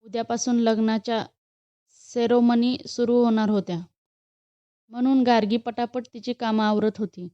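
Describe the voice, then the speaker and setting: A woman storyteller narrates a romance story in a steady, measured way. Her voice sits a little high, and the recording is dry and slightly muffled. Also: dry recording.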